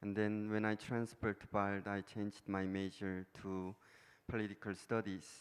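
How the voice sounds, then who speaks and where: The pace is moderate. A man speaks with a fairly low pitch. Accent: Korean. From North Korea. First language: Korean. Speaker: refugee and human rights advocate. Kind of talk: public talk. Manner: halting.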